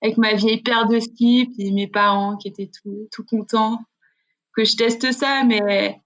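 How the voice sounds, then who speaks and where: A woman's voice: fairly high pitch, fairly even intonation, measured pace, a bit bright. A woman from Switzerland, a podcast guest, telling stories in a chatty, slangy way with many restarts. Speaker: guest, freestyle skier. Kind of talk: casual podcast chat.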